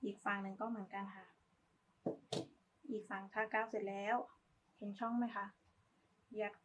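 A woman's voice: mid-range voice, little pitch movement, moderate pace, slight background noise. A woman giving a casual, polite step-by-step craft tutorial, talking as she demonstrates. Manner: informal, polite, talks while demonstrating.

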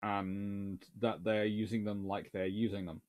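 A man's voice: fairly low pitch, little pitch movement, a little slow, darkish tone. A man in his thirties, a naval historian answering viewer questions in a casual livestream from a small book-lined room, thinking aloud and restarting sentences as he goes.

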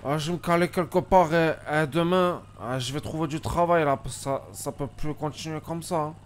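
A man streaming a roleplay game, playing a rough-talking gypsy job seeker who swears and mutters to himself. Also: a little high, brisk. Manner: excitable, swearing, mumbling asides to himself. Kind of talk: GTA roleplay commentary in character.

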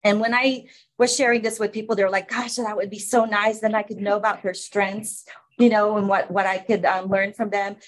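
A woman's voice: mid-range voice, flat delivery, normal speed. A woman from the Philippines facilitating a public city commission meeting, explaining informally with many fillers.

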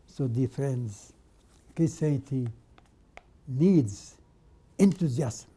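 An older man whose first language is Arabic, presenting a religious program as a patriarch and giving a sermon in short, emphatic phrases with many pauses. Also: medium pitch, mellow, breathy edge. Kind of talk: slow spoken sermon.

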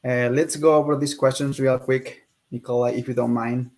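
A young man who grew up in Peru hosts a casual interview over a video call. His voice sits at a plain middle pitch, and he keeps things friendly and easygoing. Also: level tone, moderate pace, darkish tone. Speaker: interview host.

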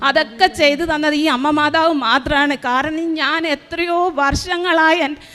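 A mother giving an earnest, tearful church testimony, retelling her story with slow pauses. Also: high voice, steady tone, pushed and bright. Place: large shrine hall. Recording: long reverb of a large hall.

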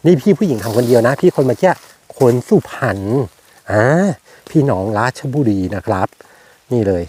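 A talkative, excitable man with a joking manner, showing land for sale outdoors in a fruit orchard on a clip-on mic. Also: mid-range voice, normal speed, a little hiss or hum. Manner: chatty, excitable, jokey. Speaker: real estate agent showing land for sale. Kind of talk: casual walking property tour.

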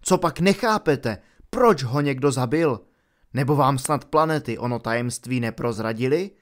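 A man voicing a young male centaur in an audiobook, speaking in a measured, earnest way. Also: medium pitch, expressive, natural voice. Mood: indignant. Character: young male centaur, calm grave protector. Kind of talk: audiobook character voice.

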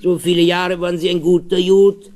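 A man voicing a kindly middle-aged doctor who speaks gently and soothingly. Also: high voice, flat delivery, moderate pace, lightly acted. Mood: gentle.

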